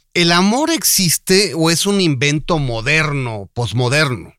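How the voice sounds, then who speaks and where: In an ordinary speaking voice, a man uses lively intonation at a fairly high pitch and very even loudness, with a dry, close sound and no echo. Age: 40s. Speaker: podcast host. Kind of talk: interview. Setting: studio.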